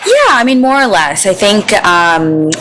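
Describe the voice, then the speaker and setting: A woman's voice: mid-range voice, very animated, unhurried, background noise. A young woman, born in India and raised in Houston, chatting as a podcast guest about her work as a lawyer, laughing easily and using many fillers. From born in India, raised in Houston, Texas. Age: young adult. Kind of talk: casual chat.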